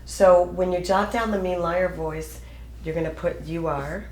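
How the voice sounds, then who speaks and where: A woman's voice: on the low side, steady tone, unhurried, a little mellow, reverberant. A middle-aged woman counselor explaining a self-talk exercise to a couple, emphatic and teacherly.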